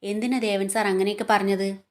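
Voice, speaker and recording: A woman's voice: mid-range voice, flat delivery, a little fast, lightly acted. A woman reading a caring coworker. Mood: concerned. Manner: gentle, concerned. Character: caring young female coworker.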